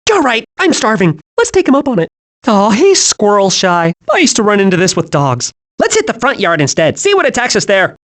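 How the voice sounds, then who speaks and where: Hammy, a high-pitched hyper squirrel. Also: male voice, a little fast, exaggerated voice. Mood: earnest, scatterbrained. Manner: excitable, childlike, eager, naive. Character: hyperactive, scatterbrained, cheerful young male cartoon squirrel. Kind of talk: animated video game voice acting.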